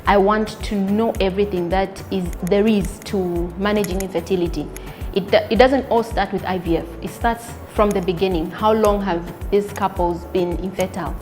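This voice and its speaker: A woman from Zambia, an obstetrician-gynecologist giving an earnest, measured testimonial with frequent pauses. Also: mid-range voice, fairly even intonation, darkish tone, soft background music. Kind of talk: spoken testimonial.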